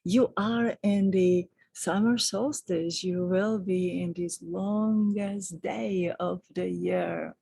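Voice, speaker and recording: A middle-aged woman giving gentle, affectionate spiritual guidance in a vlog. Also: fairly low pitch, steady tone, takes it slowly, gravelly, few pauses, husky. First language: Czech. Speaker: spiritual teacher and author.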